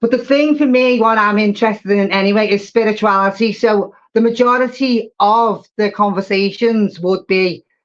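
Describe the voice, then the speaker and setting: A woman speaks in a Liverpool accent with fairly even intonation. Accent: Liverpool (Scouse). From Liverpool, England. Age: 40s. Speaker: aspiring podcaster. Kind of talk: casual chat. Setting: live stream.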